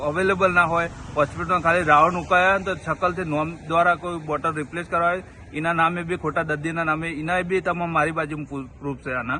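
Over noticeable background noise, a man talks in a high pitch with monotone, flat intonation. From Gujarat, Patan area village. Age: 30s. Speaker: NGO worker, whistleblower. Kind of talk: news interview statement.

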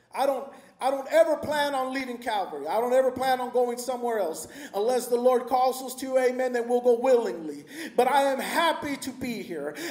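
Amid audible room echo, a man with an American accent talks at a fairly quick pace, an extremely high pitch and ordinary pitch variation. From Texas. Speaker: pastor. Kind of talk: sermon. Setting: church. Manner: animated. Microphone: handheld.

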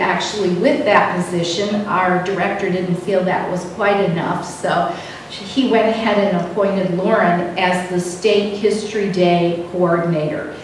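A woman speaks at a fairly slow pace. Strong room echo and light background noise are heard. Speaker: host introducing lecturer. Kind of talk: speaker introduction. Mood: warm, appreciative. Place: hall.

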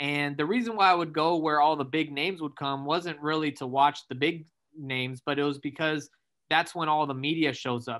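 The speech comes at a fairly quick pace with fairly even intonation. It is an ordinary speaking voice. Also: man. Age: 20s. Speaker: sports journalist. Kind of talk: casual interview chat.

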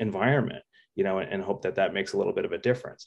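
Over a quiet background, a man speaks with a Boston accent. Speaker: screenwriter. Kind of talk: casual interview. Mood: reflective, personal. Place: home room.

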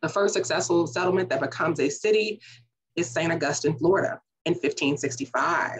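A woman speaks in a fairly low voice. It has a somewhat breathy quality. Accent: American. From US South. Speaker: history professor. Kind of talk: lecture. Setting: video call. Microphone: video call.

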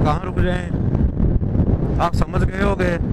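A man speaks over loud background noise. The recording is dry, without echo. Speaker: motorcycle travel vlogger. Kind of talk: casual vlog chat. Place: motorbike. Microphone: helmet.

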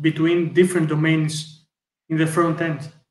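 Audible room echo surrounds a man talking at a high pitch. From Greece. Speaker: Q&A moderator. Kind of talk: Q&A interview. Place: home room. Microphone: video call.

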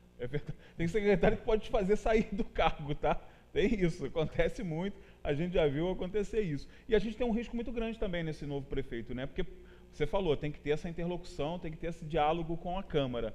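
Speaking at a very fast pace, a man uses lively intonation and a high pitch. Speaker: TV news host and interviewer. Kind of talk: casual studio interview. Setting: studio. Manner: conversational, hesitant with many fillers. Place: studio.

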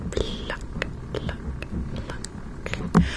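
A woman speaks over loud background noise. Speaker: ASMR streamer. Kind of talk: casual livestream chat. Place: home room. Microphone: studio mic.

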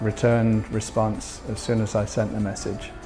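Clear music plays in the background. Over it, a man speaks with monotone, flat intonation. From Western Australia. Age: 60s. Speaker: engineer. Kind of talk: patient testimonial interview answer. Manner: hesitant, many fillers. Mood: warm, appreciative. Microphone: lapel.

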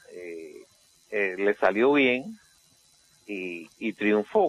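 A man with a Cuban accent speaks with lively intonation in a dry, close sound with no echo. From Cuba, Camagüey. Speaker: video and broadcast engineer. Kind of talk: radio interview. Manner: halting, hesitant.

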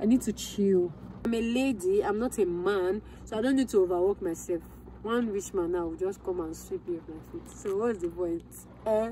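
A woman's dark, mellow tone comes through a dry sound with no echo and light background noise. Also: ordinary pitch variation, moderate pace. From Nigeria. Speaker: vlogger and healthcare assistant. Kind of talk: casual vlog. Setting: on the go, in car and stores. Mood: playful, joking. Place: car. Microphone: phone near.

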